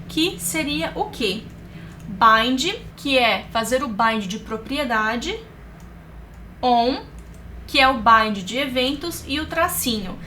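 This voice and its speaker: A woman's voice: high voice, sharp tone, slight background noise. A woman teaching a programming course, explaining each step directly to her viewers. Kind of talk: screencast coding tutorial.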